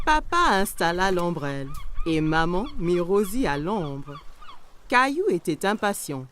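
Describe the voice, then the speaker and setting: A woman's voice: fairly low pitch, very animated, measured pace, fairly bright tone, a little hiss or hum. A woman reading scripted narration for a children's cartoon story. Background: background music.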